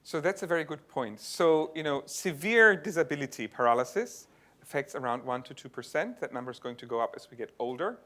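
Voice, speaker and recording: A man stands before an audience presenting his research, his voice bright and forward. He explains step by step, often restarting a phrase as he thinks aloud. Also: fairly high pitch, animated, brisk. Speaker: conference speaker. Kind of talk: tech talk and audience Q&A. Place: lecture venue.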